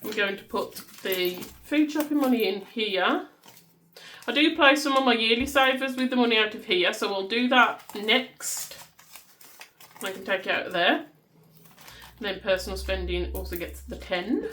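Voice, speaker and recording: A woman in her thirties with a Black Country accent talks loudly and casually at her home desk, rambling as she counts notes into envelopes. Her pitch sits in an ordinary middle range. A faint hiss lies under the recording. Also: normal speed. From West Midlands, England. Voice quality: loud voice. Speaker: budgeting vlogger. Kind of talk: casual chat while counting cash.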